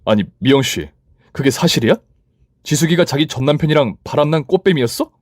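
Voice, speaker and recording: A man voicing a boyfriend, a company boss, calm and a little hesitant. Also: on the high side, a little fast, no room sound, studio quality.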